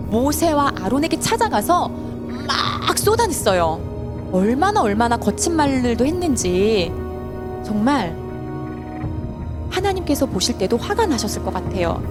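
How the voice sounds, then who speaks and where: A Sunday school teacher, a woman, telling a Bible story to children and asking them questions as she goes. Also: sits high. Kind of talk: children's sermon.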